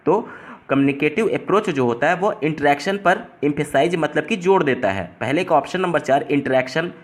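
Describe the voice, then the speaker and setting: A man with a somewhat high voice tutors his way through an exam paper. He explains step by step and rephrases each term in plainer words. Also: lively intonation, moderate pace. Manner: explains step by step, restating terms in simpler words.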